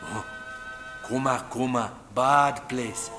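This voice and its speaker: A menacing tribal chief, played by a man, speaks slow broken English in short, superstitious phrases. His game cutscene voice rings with long reverb over music. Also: medium pitch, close to an everyday voice. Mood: ominous, fearful. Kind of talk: video game cutscene acting.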